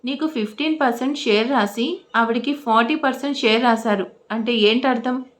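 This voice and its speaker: A woman's voice: a little high, normal speed, natural voice. Woman reading an angry young son. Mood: resentful. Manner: bitter, scolding.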